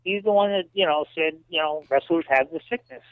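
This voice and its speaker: A man in his late fifties, a guest in a casual interview, telling animated stories and often saying "you know". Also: on the high side, brisk, dry recording. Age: 50s. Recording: tinny dry phone line.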